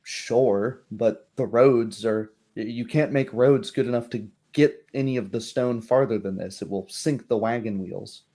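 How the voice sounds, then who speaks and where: A man voicing a courteous, shrewd baroness in a tabletop roleplaying game, with measured, genteel phrasing. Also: medium pitch, dark tone. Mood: pensive, puzzled. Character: courteous, shrewd baroness, a noblewoman musing over her troubled land.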